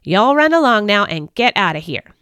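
A woman reading a storybook, voicing a bossy white-haired old woman who scolds loudly in a folksy drawl. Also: mid-range voice, very animated, normal speed, clean tone, dry recording, clean studio sound. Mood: scolding.

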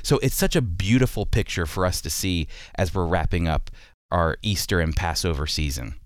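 A man's voice: deep voice, moderate pace, no room sound, studio quality. A man hosting a Christian radio program, speaking in an earnest, explanatory way as a Bible teacher. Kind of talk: radio ministry talk. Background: music.

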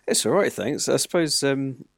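A man's voice: medium pitch, expressive, normal speed, gravelly, no echo, studio quality. A man co-hosting a podcast, chatting casually and telling anecdotes in an informal way. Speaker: podcast co-host.

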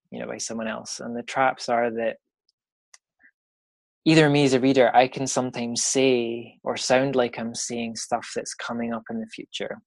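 A man with a Scottish accent, a card reader talking casually in an interview, relaxed and rambling with lots of fillers. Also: mid-range voice, creaky, dry recording, rough recording. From Scotland. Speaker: intuitive card reader, guest.

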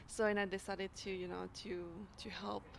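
Gravelly-voiced woman. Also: medium pitch, little pitch movement. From Mexico. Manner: halting, many fillers and restarts, searches for words. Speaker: youth program worker at an immigrant services agency. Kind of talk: casual interview answers. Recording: noisy recording.

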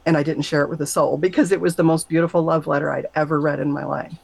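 A woman's voice: steady tone, fast, vocal fry, a little mellow, slightly rough, poor audio. A middle-aged woman, a guest on an interview show, telling her personal story in an earnest, conversational way. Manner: earnest, acts out quoted voices with high pitch jumps. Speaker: guest sharing a near-death story.

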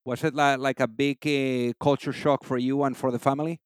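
A man's voice: medium pitch, flat delivery, a little fast, clean tone, no echo, studio quality. A man hosting an interview podcast, introducing his guest with enthusiasm and asking long, winding questions. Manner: enthusiastic, rambling, filled with "you know". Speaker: podcast host.

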